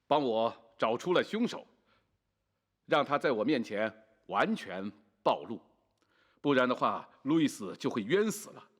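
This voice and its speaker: An actor playing a courteous, grateful foreign consul in a Chinese period TV drama, speaking formally and with measure. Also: male voice, mid-range voice, big pitch swings, a little slow. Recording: echoey hall reverb.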